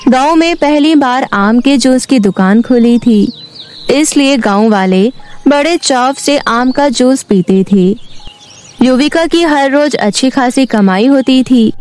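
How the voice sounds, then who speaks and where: A woman narrating a children's cartoon story in a steady, clear storytelling voice over faint music. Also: high-pitched, slow.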